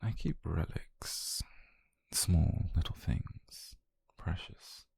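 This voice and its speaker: A British man playing an obsessive, possessive mafia boyfriend, calm and dangerous, in a slow, controlled, breathy half-whisper for an intimate ASMR roleplay. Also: low-pitched, dry recording, full character voice. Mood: obsessive, tender. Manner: slow, controlled, menacingly tender murmur. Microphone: close microphone, dry.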